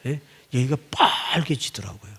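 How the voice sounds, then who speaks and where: A middle-aged man preaching a sermon, telling a story with dramatic swings, from loud outbursts to near-whispers, and prompting the congregation for responses. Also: medium pitch, animated, normal speed, slightly rough. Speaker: pastor.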